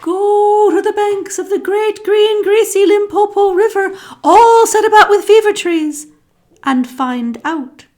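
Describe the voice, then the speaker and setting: Very high, mournful storybook bird. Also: female voice, a little slow, a little mellow. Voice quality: wailing cry. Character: mournful Kolo Kolo Bird crying out directions. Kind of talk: children's storybook reading.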